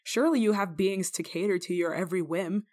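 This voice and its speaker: Woman acting as kindly rebellious nun, lowish female voice, ASMR roleplay, gentle teasing, caring. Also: fairly quick, natural voice. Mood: amused teasing. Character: kindly, amused, rule-breaking nun, lonely but caring. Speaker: roleplay voice actor. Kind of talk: ASMR roleplay, acted monologue to the listener.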